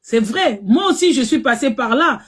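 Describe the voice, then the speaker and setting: A woman's voice: high voice, animated, normal speed, fairly bright tone. A woman hosting a casual chat, interjecting in a supportive way. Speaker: host of a live chat.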